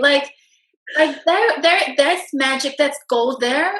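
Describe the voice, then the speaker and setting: A woman speaks in a raised, projected voice at a high pitch. Her intonation is lively and her pace fairly slow. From Singapore. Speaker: online show host. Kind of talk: interview host talk. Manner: upbeat.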